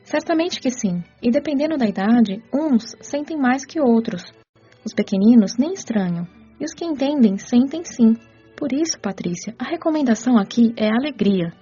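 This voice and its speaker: An actress playing a kind, patient spirit caretaker who explains rules in a measured, teacherly radio drama delivery. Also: female voice, on the high side, expressive, mellow, slightly rough. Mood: patient, instructive. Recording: muffled audio with music underneath.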